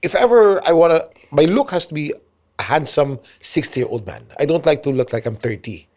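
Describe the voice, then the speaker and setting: A man in his late fifties with a Filipino accent, hosting a casual podcast interview and prompting his guest. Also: a little high. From Philippines. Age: 50s. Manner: fast, lively, friendly prompting with lots of mm-hmms. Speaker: podcast host.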